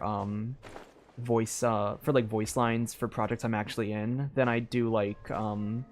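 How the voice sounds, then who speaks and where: A man's voice: medium pitch, slight background noise. A man chatting casually as a game streamer, explaining things in a hesitant, rambling way full of fillers. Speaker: streamer playing a game and voicing its dialogue. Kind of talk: casual livestream chat. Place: room at home.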